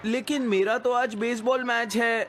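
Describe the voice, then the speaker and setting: An actor playing a boastful, bullying boy who fancies himself a star singer, in a loud, grandiose cartoon manner. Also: mid-range voice, fairly even intonation, a little slow, a little hiss or hum, natural voice. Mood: hesitant. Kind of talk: Hindi cartoon dubbing. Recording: loud music and crowd behind.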